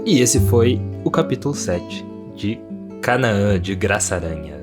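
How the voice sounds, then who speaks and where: A man with a Brazilian accent co-hosting a podcast, chatting casually about books in a halting way with repeated words. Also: lowish voice, animated, loud music behind the voice. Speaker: podcast co-host. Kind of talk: casual book chat.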